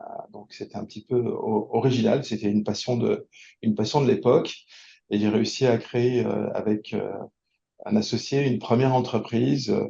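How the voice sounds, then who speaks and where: A man at a moderate pace with long, frequent pauses. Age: 60s. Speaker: company founder. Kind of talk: podcast interview. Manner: hesitant, many fillers.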